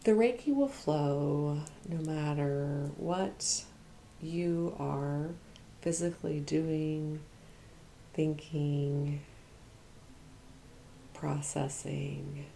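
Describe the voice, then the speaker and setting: A woman guiding an ASMR meditation as a Reiki practitioner, speaking in a soft, hushed, soothing way with long pauses and occasional whispering. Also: low voice, vocal fry, a little hiss or hum.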